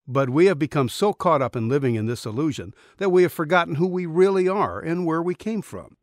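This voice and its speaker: Middle aged guy narrating an audiobook, earnest n measured, really lively intonation, dry close studio sound. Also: mid-range voice, dry recording. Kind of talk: scripted audiobook narration of a spiritual essay. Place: small dim recording booth. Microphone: studio condenser microphone, close.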